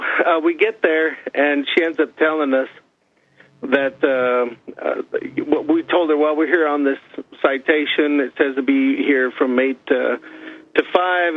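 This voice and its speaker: A man's voice: on the high side, unhurried, dry recording. A man calling in to a talk show, telling a long story with laughs and quoted exchanges. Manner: rambling anecdote with laughs and quoted dialogue. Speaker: caller. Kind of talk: phone-in storytelling. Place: calling in from Texas. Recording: tinny dry phone line.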